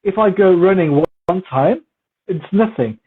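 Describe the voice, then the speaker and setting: Brief: man, language teacher, husky, slightly high voice, tinny phone-like sound. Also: normal speed. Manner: relaxed, repetitive for emphasis, mixes in Turkish words. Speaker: English teacher interviewed as guest. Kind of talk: casual conversational Q&A. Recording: muffled phone-like audio.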